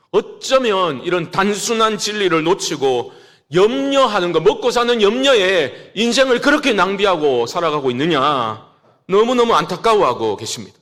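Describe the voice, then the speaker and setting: A middle-aged male pastor preaching a sermon with emphasis, rising to scolding and dropping low again. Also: a bit bright. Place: church sanctuary.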